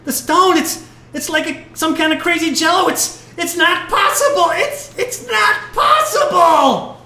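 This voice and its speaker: A woman's voice: very high-pitched, expressive, measured pace, pushed and bright, exaggerated voice. Woman playing a swooping, sardonic jazz-cat musician. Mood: terrified. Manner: hep-cat slang, sardonic, stammers when rattled. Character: bitter, wisecracking retired jazz musician, male. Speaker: actor in a live audio play. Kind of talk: live noir radio-play acting. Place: live on stage in a club.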